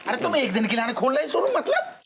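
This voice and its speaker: An actor playing a jovial small-town police inspector, drawling rustic banter. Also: male voice, very high voice, wildly swooping pitch, fast, vocal fry, heavy background noise, full character voice. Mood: jovial teasing.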